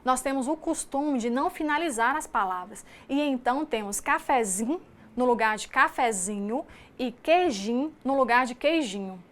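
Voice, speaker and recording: A woman with a Mineiro Brazilian accent, a teacher giving a recorded distance-learning lecture in a measured, explanatory way, reading lists item by item. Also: high voice. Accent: Mineiro Brazilian Portuguese. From Minas Gerais, Brazil.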